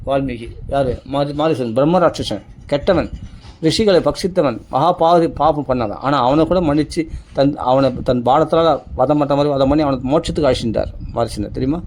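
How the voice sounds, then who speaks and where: A man's voice: on the high side, fairly quick, a little mellow, slight background noise. A man giving a devotional discourse, emphatic and repetitive, asking many rhetorical questions. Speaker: religious speaker.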